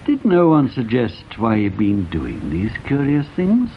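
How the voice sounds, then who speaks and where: Urbane English jeweller, very animated intonation. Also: male voice, medium pitch, measured pace. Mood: dry, curious. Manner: dry, erudite, leisurely phrasing. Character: shrewd, urbane jeweller, chess companion to the inspector. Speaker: actor in a radio mystery drama. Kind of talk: British radio drama acting. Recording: dull radio recording, slight background noise.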